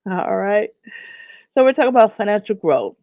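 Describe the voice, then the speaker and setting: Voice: mid-range voice, big pitch swings, measured pace, dry recording, phone-quality sound. A host of a live online business series, slightly nasal from getting over a cold, teaching in a conversational way and greeting viewers in the chat by name. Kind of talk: live-streamed business lesson.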